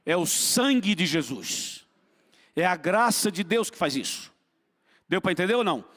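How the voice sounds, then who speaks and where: A man preaches with a high, ringing voice, driving his points home through repetition and direct questions to the congregation. His words trail off into the long echo of a church hall. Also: big pitch swings, moderate pace, fairly bright tone. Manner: fervent, repetitive, asks the congregation for responses. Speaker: pastor. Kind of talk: sermon.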